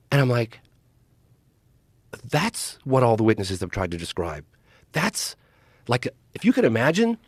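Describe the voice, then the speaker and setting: A man's voice: mid-range voice, slightly rough, no room sound. A middle-aged man, a documentary filmmaker guest, telling a story in a casual podcast interview and acting out quoted dialogue. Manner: animated, acts out quoted dialogue.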